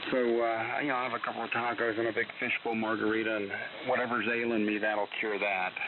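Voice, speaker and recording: A thin, narrow radio signal carries a man's voice through strong hiss. He rambles in a folksy, casual way as a ham operator, pitched on the low side. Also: little pitch movement, a little fast. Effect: radio transmission. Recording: narrow-band shortwave radio, loud hiss.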